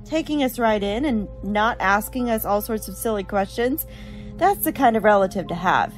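A woman playing a chatty, brisk college girl in a radio horror drama. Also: mid-range voice, animated, soft background music, lightly acted. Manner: chatty, colloquial.

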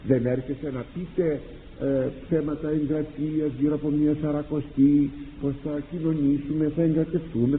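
A man, a priest and confessor, delivering a sermon with animated rhetorical questions and acted-out exchanges. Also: a little high, slight background noise. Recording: tinny lo-fi archive recording in a reverberant hall.

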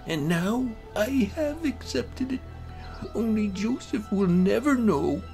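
A man reads a horror tale in the first person with brooding, theatrical delivery. He takes it very slowly, in a mid-pitched voice, over prominent music. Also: darkish tone. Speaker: narrator, amateur voice actor. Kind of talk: dramatic first-person horror story narration.

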